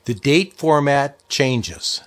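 A man in his sixties hosting an informal ham radio software tutorial, explaining things patiently step by step in a folksy way. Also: mid-range voice, expressive, drawn-out words.

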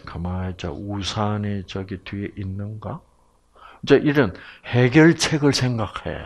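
A man with a Gyeongsang Korean accent lectures an audience on a health program, his voice low and his pace measured over lo-fi sound. He's humorous, telling jokes like a storyteller and asking the audience questions.

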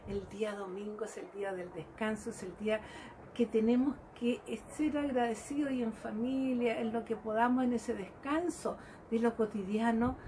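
A woman's voice: a little high, darkish tone, slight background noise, poor audio. A woman giving a fervent devotional reflection and calling her listeners dear brothers. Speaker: lay preacher. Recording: music playing behind her.

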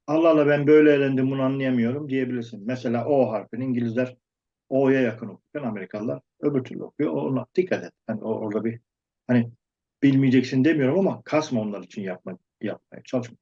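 A man's voice: mid-range voice, mellow. Blunt, emphatic man, dull lo-fi sound. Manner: blunt, emphatic, restarts words often. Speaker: English teacher giving advice. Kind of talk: casual discussion.

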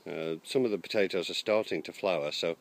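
Deep-voiced and brisk, he gives a casual, hesitant tour of his allotment, peppered with uhs. The footage is handheld and shot outdoors.

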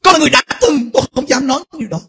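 A middle-aged male pastor preaching a fervent sermon, dropping to a hush and then rising to shouts. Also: very high-pitched, lively intonation, rapid-fire, slightly rough. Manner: impassioned preaching, swings between hushed and shouted.

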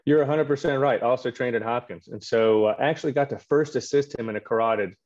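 A middle-aged man, a native French speaker, telling stories in a relaxed way with many fillers on a video call from a home office. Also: mid-range voice, fast talker. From Quebec, Canada. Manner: storytelling, relaxed, with frequent fillers. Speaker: orthopedic surgeon guest. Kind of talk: casual video call interview. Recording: dull lo-fi call audio.

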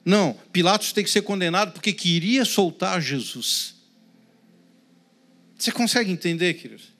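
A man with a Brazilian Portuguese accent preaching a sermon, swinging between loud emphasis and hushed, prayerful tones. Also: high-pitched, expressive, moderate pace. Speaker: pastor.

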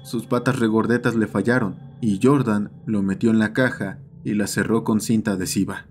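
A man's voice: fairly low pitch, steady tone, moderate pace. A man narrating a scripted horror story as the host of the channel. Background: background music.

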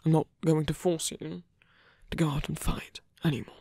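Man acting a very breathy, hesitant villain in love. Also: a little high, steady tone, warm tone, no room sound, clean studio sound. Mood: earnest, nervous. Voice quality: breathy, often dropping to a whisper. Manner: halting, hesitant delivery with pauses. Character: guarded, lovestruck male villain, hesitant and tender. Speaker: ASMR roleplay voice actor. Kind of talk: ASMR romantic roleplay, intimate and halting. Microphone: close dry microphone.

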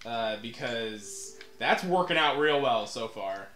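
A man's voice: mid-range voice, animated, slow, sharp tone. A man co-hosting a let's play, joking sarcastically and laughing often while he plays. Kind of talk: casual gaming banter. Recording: echoey room, faint hiss.

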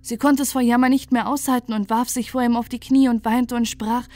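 Woman storyteller, gentle soothing bedtime reading, fairly high voice, dry sound, soft music. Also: steady tone, a little fast, no echo. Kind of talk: scripted bedtime fairy tale narration.

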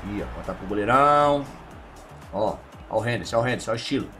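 Over music, a fast-talking man with a fairly low, expressive voice streams a football video game in Brazilian Portuguese. His live commentary is profane trash talk, mocking and taunting the opponent he's playing online.

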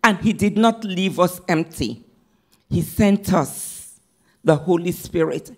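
A woman pastor preaching a sermon, reading scripture in measured phrases and repeating lines for emphasis. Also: on the low side.

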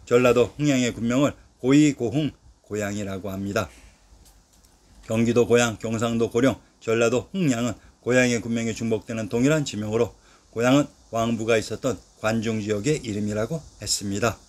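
A man narrating a scripted history lesson, reciting long lists of old place names in a steady, measured way with each list falling at its close. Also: medium pitch.

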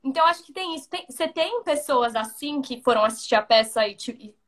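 Bright high young woman hosting a video chat. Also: lively intonation. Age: young adult. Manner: quick agreeing, lots of fillers. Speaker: host. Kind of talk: casual live video chat. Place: home room, indoors. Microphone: video call.

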